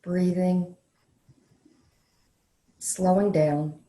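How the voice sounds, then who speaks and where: A woman leading a guided meditation in a slow, soothing way, leaving long pauses between phrases. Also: lowish voice, fairly even intonation, warm tone. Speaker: meditation leader, counselor educator. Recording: roomy, echoey sound.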